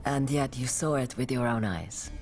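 An actress playing a driven, secretive history professor in a motion comic, with an intense, measured delivery. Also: female voice, a bass voice. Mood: guarded warning. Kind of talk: dramatic motion-comic acting. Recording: dramatic music under the voice.

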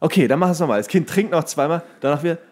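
A man's voice: a little high, expressive, rapid-fire, a little mellow. A man co-hosting a podcast, telling humorous stories in casual chat and acting out the dialogue as he goes. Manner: acts out dialogue within his stories. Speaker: podcast co-host and actor telling casting stories.

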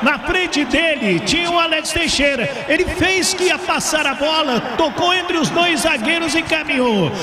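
Very high-pitched Brazilian man, match reporter. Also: animated, normal speed, hardly any pauses, a crowd in the background. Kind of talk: excited live match reporting. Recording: echoey, very noisy stadium broadcast.

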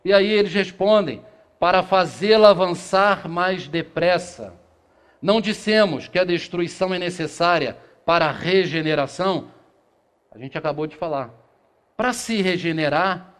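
A middle-aged man from Brazil giving a spiritist lecture in a small meeting room, reading passages aloud and posing rhetorical questions that he answers himself. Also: high-pitched. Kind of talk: lecture to a seated audience. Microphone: far camera, no handheld mic.

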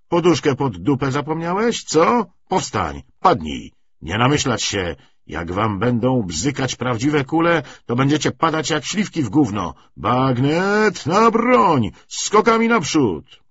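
A male reader plays a hard cavalry drill sergeant from a war novel audiobook. He barks loud, clipped orders in a raised, husky voice and heaps coarse scorn on his recruits. The sound is slightly dull. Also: mid-range voice, big pitch swings, takes it slowly, pitched above the performer's own voice, heavily acted. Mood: barking, scornful. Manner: shouted, clipped commands with coarse sarcasm. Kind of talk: audiobook character reading.

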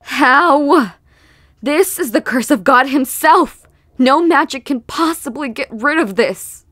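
A fierce demon queen wife played by a woman in an animated comic, commanding and exasperated. Her high voice is measured and weighty, captured very dry. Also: dry recording, exaggerated voice. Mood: pained anger. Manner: forceful, demanding, dramatic.

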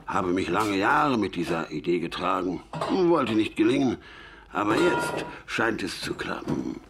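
An actor playing a gruff, stubborn, solitary old gunsmith in a radio play, speaking in curt, grumbling sentences. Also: male voice, sits low, very animated, measured pace, background noise, full character voice. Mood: proud, confiding. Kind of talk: German radio play acting.

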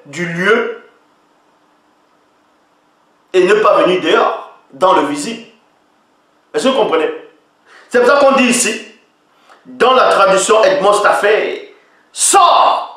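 A man's voice: high-pitched, fairly bright tone. Emphatic male preacher in a very echoey room. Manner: emphatic, repeatedly asks listeners if they follow. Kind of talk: sermon-style teaching. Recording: very echoey room, voice far from mic.

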